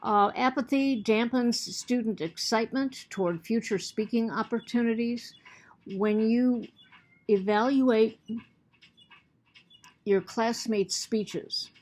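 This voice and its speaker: A woman's voice: fairly high pitch, slow pace, a little mellow. Earnest woman teacher lecturing her class. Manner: earnest, repeats and restarts words. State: has the hiccups.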